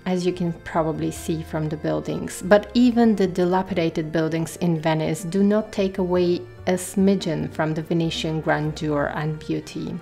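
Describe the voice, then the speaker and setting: A woman with a lowish voice talks over her travel footage, full of admiration for what she shows. She speaks in a vlogger's casual voice-over with the odd "um", and soft music plays underneath. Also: vocal fry. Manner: enthusiastic and admiring, with frequent "um" fillers. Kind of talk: travel vlog voice-over narration.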